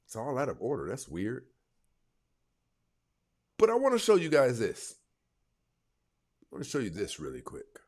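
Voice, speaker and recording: A man hosting a dating advice stream, lecturing his viewers in a casual, animated way. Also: medium pitch, moderate pace, long pauses. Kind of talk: casual live commentary.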